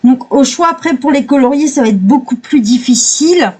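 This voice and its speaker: Mellow-voiced woman gushing over pages. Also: high-pitched, animated, moderate pace, slightly rough, poor audio. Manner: admiring, exclamatory. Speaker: coloring book reviewer. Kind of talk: casual flip-through commentary.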